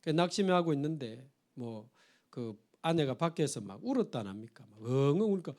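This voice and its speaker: Middle-aged male pastor, high-pitched, emphatic sermon delivery. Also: very animated, normal speed, darkish tone. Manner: storytelling with acted quotes, rising emphatic appeals. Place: church sanctuary.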